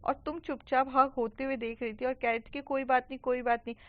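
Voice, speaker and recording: A woman's voice: high-pitched, little pitch movement, fairly quick, no echo, dull audio, pitched above the performer's own voice, lightly acted. A woman voicing a jealous teenage schoolgirl who stammers when flustered.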